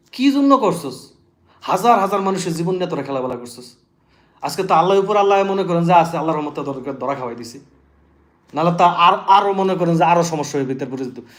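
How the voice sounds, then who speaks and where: A man with a high pitch talks in an animated tone with lively intonation and big swings in loudness. Room echo is audible. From Bangladesh, Shariatpur district. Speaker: YouTube vlogger. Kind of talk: live stream monologue with viewer Q&A.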